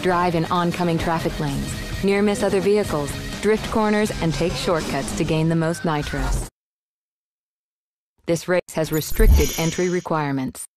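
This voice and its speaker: A woman voicing a calm female dispatcher who gives even, matter-of-fact race briefings in a game. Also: lowish voice, moderate pace, close to an everyday voice. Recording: voice over clear background music.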